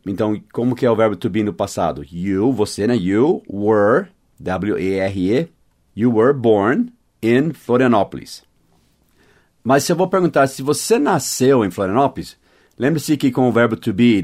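A man's voice: lowish voice, a little mellow. Man teaching English in Portuguese. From United States. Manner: patient, slow spelling and repetition. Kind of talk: online English lesson in Portuguese.

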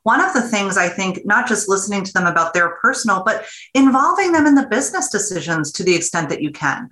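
A woman executive answers podcast questions with measured, earnest advice. Her voice is bright and crisp. It has a roomy echo from the space she is recording in. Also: medium pitch, sing-song. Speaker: guest, business executive. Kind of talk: interview answers.

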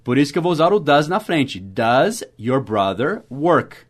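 A man with a Brazilian Portuguese accent, teaching a podcast lesson for learners, saying the example phrases slowly and clearly between quick explanations. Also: a little high, sing-song. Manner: slow, exaggerated model phrases in English between quick explanations. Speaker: English teacher.

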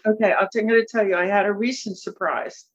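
A woman's voice: medium pitch, fast, slight background noise. A woman in her seventies talks as a guest on a podcast, jumping up in emphatic bursts. Her voice comes through slightly muffled and lo-fi. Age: 70s. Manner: animated, bursts of emphatic enthusiasm. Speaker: nutrition expert guest. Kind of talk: podcast conversation.

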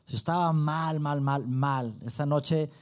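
A man's voice: fairly high pitch, slow, darkish tone. A man with a Mexican accent preaching a sermon, telling a personal story with emphatic repetition. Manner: emphatic, repeats words for stress.

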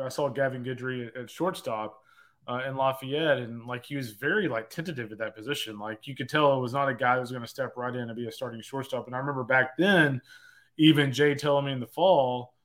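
A man's voice: mid-range voice, quick pace, fairly bright tone. A man analyzing a team on a sports podcast, talking it through with frequent "like" fillers. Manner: analytical, heavy use of filler "like". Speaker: college baseball analyst. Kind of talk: casual sports podcast talk.

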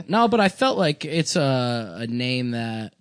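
A man's voice: mid-range voice, very animated, unhurried, clean tone, no room sound, clean studio sound. A man in his thirties from Connecticut, a comedian telling rambling stories on a podcast and laughing as he goes. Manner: laid-back, rambling, laughs through stories. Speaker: comedian guest. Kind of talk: casual podcast chat.

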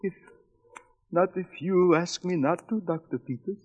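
An actor playing a shifty foreign handyman turned blackmailer, speaking halting broken English, in 1940s radio acting on an old radio show recording. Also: high voice, a little mellow. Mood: frightened. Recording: dull old broadcast with long reverb.

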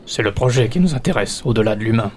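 A man's voice: mid-range voice, lively intonation, fast, noisy background. A man playing a tabletop role-playing game in character, composed and formal. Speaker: player.

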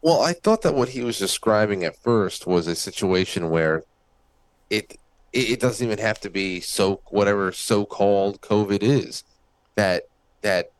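Casting: male co-host, slightly deep, dry close sound, halting conversational delivery. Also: lively intonation, smooth, dry recording. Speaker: talk show co-host. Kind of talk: casual live chat.

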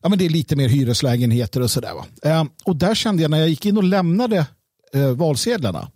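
A man hosting a casual discussion, with a husky, breathy edge to his voice. He speaks haltingly, restarting and repeating words as he works through an anecdote. The sound is dry and close. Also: fairly high pitch, animated, a little mellow, dry recording. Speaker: host.

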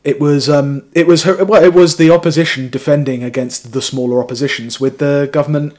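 A man's voice: fairly high pitch, steady tone, darkish tone. Rambling young man hosting a podcast. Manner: rambling, hesitant, quick to laugh. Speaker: podcast host. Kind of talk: casual political chat.

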